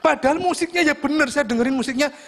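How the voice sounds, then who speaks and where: Lively, high-voiced pastor joking in a sermon. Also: male voice, quick pace. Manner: humorous storytelling, addresses congregation as "saudaraku". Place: church hall.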